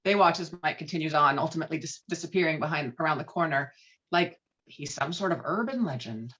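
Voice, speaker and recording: A woman's voice: low-pitched, a little fast, a bit bright, breathy edge, highs cut off. A woman reading stage directions as narrator in a script table read.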